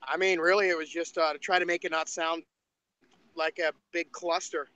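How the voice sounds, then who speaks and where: A man's voice: fairly high pitch, fairly even intonation, normal speed, bright, forceful tone, clear, resonant tone, no echo. A man chatting casually on a podcast over a dull, lo-fi mobile connection.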